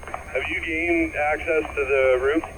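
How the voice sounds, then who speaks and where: A man's voice: on the high side, fairly even intonation, measured pace. A man working as a fire incident commander, speaking in terse, procedural phrases over a two-way radio. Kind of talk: firefighter radio dispatch traffic. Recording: very noisy, clicking firefighter radio channel.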